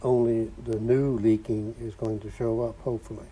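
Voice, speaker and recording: A man's voice: fairly low pitch, little pitch movement, normal speed, mellow, slightly rough, low-quality recording. A man rambling in a folksy way while filming in his cluttered home workshop garage. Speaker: vlogger. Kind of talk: casual workshop vlog.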